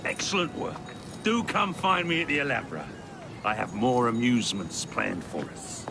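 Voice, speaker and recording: An actor playing a flamboyant, theatrical gang boss who speaks in a playful, grandiose way in a game cutscene. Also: male voice, medium pitch, expressive, gravelly, background noise. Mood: theatrical glee. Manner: playful, grandiose, drawn-out delivery. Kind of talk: video game cutscene acting.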